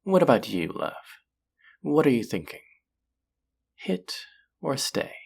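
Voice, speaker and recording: A woman's voice: a bass voice, big pitch swings, slow, vocal fry, darkish tone, breathy edge, heavily acted. A woman playing a flirty, possessive demon casino dealer in an intimate roleplay audio drama, teasing and taunting the listener. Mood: teasing, inviting.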